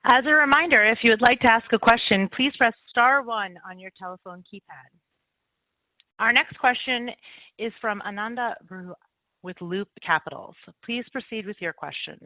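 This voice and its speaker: A woman's voice: on the high side, moderate pace, no room sound. A woman acting as conference call operator, reading a scripted announcement. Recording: dry, narrow phone line.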